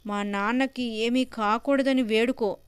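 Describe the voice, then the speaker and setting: An enraged grown son shouts and denounces his wife, his voice smooth and fairly high, as a woman voices him in a storybook. It is recorded close and dry. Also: moderate pace, dry recording, natural voice. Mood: furious. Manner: furious shouting, then remorseful. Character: angry, grief-stricken grown son.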